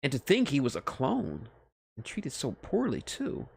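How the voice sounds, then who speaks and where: A gentle young princess from a fan story, read by a man. She is caring, earnest and a little proper, with a teasing streak, pitched somewhat higher in a dry recording. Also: huge pitch swings, a little slow, gravelly, slightly rough, dry recording, exaggerated voice. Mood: sad, earnest.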